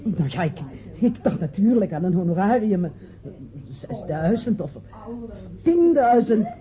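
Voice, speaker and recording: A muffled radio drama recording with crowd murmur behind. a sentimental, anxious widow who speaks in a lively, emotional voice and falters when flustered. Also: female voice, mid-range voice, unhurried. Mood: indignant, flustered. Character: anxious, sentimental playwright's widow haggling over royalties. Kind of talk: Dutch radio drama acting.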